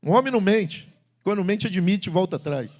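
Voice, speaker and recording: A middle-aged man preaching a sermon as pastor in a church, swinging between loud emphatic calls and low confiding talk to the congregation. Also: animated, brisk. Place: church sanctuary.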